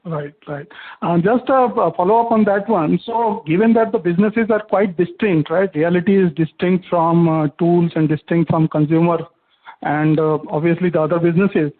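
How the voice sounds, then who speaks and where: Male investor caller, high voice, hesitant conversational questioning over a tinny telephone connection. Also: fairly even intonation, normal speed. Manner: hesitant, conversational, seeks agreement. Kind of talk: conference call questioning. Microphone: phone call. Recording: narrow tinny phone line.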